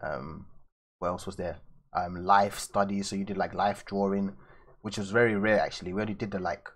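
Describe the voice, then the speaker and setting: Sitting low in pitch with fairly even intonation, a young man's voice moves at a moderate pace. Raised in London and speaking with a London English accent, he chats loosely with viewers and answers them during a casual live stream while drawing at his desk indoors.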